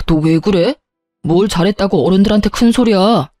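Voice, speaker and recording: A woman's voice: mid-range voice, normal speed, mellow, no echo, clean studio sound, faint music behind, natural voice. A woman voicing a defensive, irritated young husband who speaks reproachfully. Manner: reproachful, curt.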